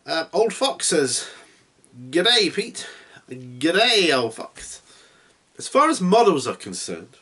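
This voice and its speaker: A man's voice: a little high, wildly swooping pitch, slow pace, a bit bright, slightly rough. A man hosting a casual question and answer vlog, chatty and a little rambling and self-deprecating. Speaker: hobby channel host.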